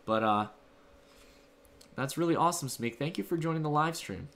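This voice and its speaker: A man's voice: a little high, animated, fairly quick, a bit bright. A man hosting a livestream from home, casually thanking donors and answering chat in a loose, rambling way. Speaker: livestream host. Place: home room.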